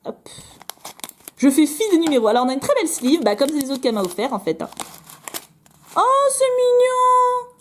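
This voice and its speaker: A young woman chatting excitedly as she opens fan mail at home, with many fillers. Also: high voice, fast, slight background noise. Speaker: vlogger opening fan mail. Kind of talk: casual unboxing chat.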